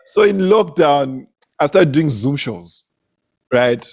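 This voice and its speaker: Young zimbabwe guy chatting, kinda high voice, tells stories with lots of laughs. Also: slow pace. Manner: animated storytelling, laughs often, repeats words. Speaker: comedian, guest. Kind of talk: casual conversation.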